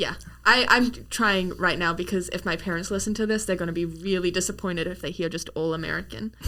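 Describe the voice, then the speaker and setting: This woman has a fairly low pitch, a bright, sharp tone and vocal fry. She speaks at a fairly quick pace with fairly even intonation. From Australia. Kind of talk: casual chat.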